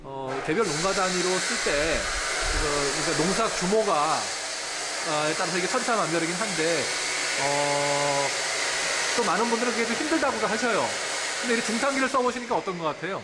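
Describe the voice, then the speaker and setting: A man's voice: sits high, expressive, a little fast. Man interviewing in a roomy echo. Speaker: interviewer visiting an organic farming cooperative. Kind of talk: on-site interview. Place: indoors in farm facility rooms, off camera. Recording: roomy echo, faint background noise.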